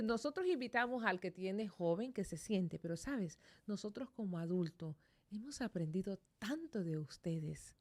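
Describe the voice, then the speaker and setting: A middle-aged woman hosts a Christian radio program from a studio, speaking with a mid-pitched voice. She is effusive, pouring out blessings, thanks and exclamations of wonder. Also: mellow. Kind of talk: radio interview.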